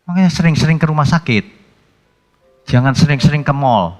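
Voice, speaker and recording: A male pastor preaching a sermon in a conversational, colloquial way, breaking into sudden animated outbursts. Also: fairly high pitch, a little fast. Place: church hall. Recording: long hall reverb with faint music.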